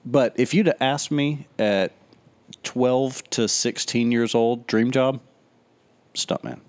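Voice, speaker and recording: A man in his early thirties co-hosting a podcast, talking in a measured, thoughtful, dry way. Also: medium pitch, steady tone, clear, resonant tone. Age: 30s. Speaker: podcast co-host. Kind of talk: casual chat.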